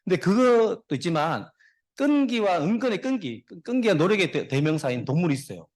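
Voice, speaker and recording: Animated, fast-talking man giving a speech. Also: high-pitched. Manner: jokey storyteller, dad jokes, talks to the audience. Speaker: guest speaker. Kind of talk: motivational speech.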